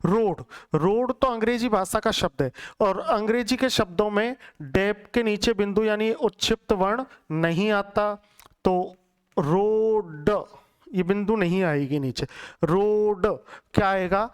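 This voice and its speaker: A man's voice: high-pitched, measured pace, smooth. A male Hindi teacher with a Rajasthani accent lectures students, repeating each word and quizzing them on the correct form. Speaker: Hindi exam-prep teacher. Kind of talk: classroom lecture.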